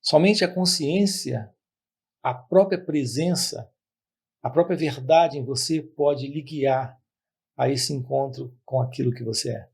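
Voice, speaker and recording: A man giving a spiritual talk to his channel's viewers, speaking in measured phrases with repetitions and pauses. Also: mid-range voice, vocal fry, slightly rough. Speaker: spiritual teacher.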